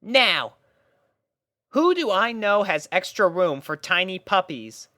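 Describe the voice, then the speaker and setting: A storyteller voicing a brash, caring, excitable cartoon pegasus pony mare with emphatic, drawn-out announcements. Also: mid-range voice, no echo, studio quality, pitched above the performer's own voice, full character voice. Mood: excited.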